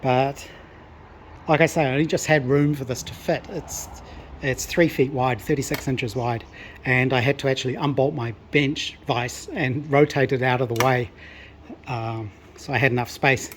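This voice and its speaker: A man with a mid-pitched, slightly hoarse voice talks through a job in his home workshop. He sounds a little breathless at times and explains things in a relaxed, unhurried way, full of ums and restarts. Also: a little hiss or hum. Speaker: car restoration vlogger. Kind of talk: casual workshop walkthrough.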